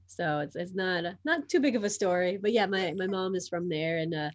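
A Portuguese-speaking sports publisher from Miami, in the United States, chats as a podcast guest in a casual interview, talkative and full of ums and restarts. Her fairly low voice is expressive and a little fast, with no room sound.

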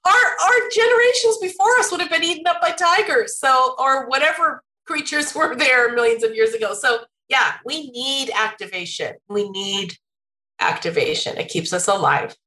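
Bright-voiced woman giving parenting advice. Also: high voice, moderate pace, rough recording. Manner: warm, animated, laughs often, sing-song when acting out parents. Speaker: parenting expert guest. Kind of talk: casual conversational advice.

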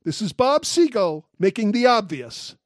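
Male host, sixties, wry and animated, pitched high, dry studio sound. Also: measured pace, no room sound. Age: 60s. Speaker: podcast host. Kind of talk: solo talk show monologue.

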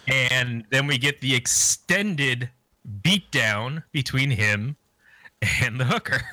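A man's voice: medium pitch, bright, forceful tone, dry recording. A man casually recapping a movie plot on a podcast, rambling and joking crudely. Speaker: podcast co-host. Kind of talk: casual movie review chat.

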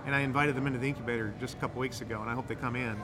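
A man's voice: mid-range voice, steady tone, rapid-fire, a crowd in the background. Midwestern man explaining his work. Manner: rambling, restarts, enthusiastic explaining. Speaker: guest, incubator director. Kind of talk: casual podcast interview.

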